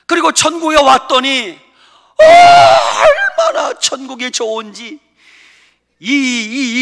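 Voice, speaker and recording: A man voicing a grumbling, indignant old man in a sermon story, scolding and exclaiming up to shouts. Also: high voice, creaky, voice pushed up, full character voice. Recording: long church hall reverb.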